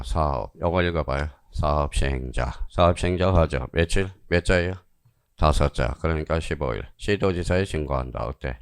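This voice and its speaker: A man teaching an online exam-prep lecture, drilling students with quick questions and answers and repeating key phrases for emphasis. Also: low-pitched, no room sound, clean studio sound.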